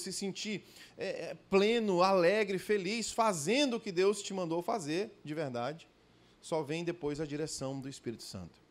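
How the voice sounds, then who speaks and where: A man preaching a sermon at a church conference, telling stories animatedly and calling out to the congregation with frequent tag questions. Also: high voice. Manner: addresses the congregation directly.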